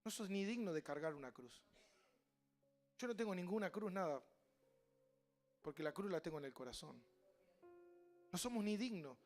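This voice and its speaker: A man with an Argentine Spanish accent, a pastor preaching a sermon with passion, mimicking voices and building to loud cries. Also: sits high, expressive, moderate pace, long pauses, soft background music.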